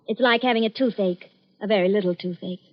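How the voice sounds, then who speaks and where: An actress playing an excitable young bride in an old-time radio drama, curious, daring and affectionate. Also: female voice, medium pitch, fast, in a large hall, natural voice. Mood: wistful. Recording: dull, muffled old radio recording.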